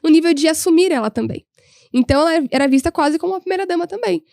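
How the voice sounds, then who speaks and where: A young woman, a podcast guest telling history stories in an animated, humorous way. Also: extremely high pitch, very fast, vocal fry, dry recording, clean studio sound. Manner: animated, humorous, voices quoted people. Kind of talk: casual storytelling chat.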